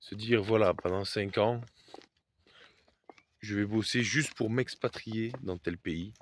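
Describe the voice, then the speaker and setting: A man speaks very slowly, his pitch fairly low. The sound is dry and close with no echo, and his intonation stays fairly even. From France, Aveyron. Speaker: YouTuber, expat vlogger. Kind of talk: vlog monologue. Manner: hesitant, many fillers.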